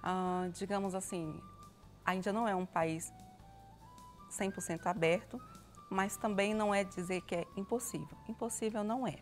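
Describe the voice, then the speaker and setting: A woman's voice: medium pitch, fairly even intonation, faint music behind. Earnest woman missionary on TV set. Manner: earnest, measured, devout. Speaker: missionary guest. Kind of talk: TV cooking show interview. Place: TV studio kitchen set.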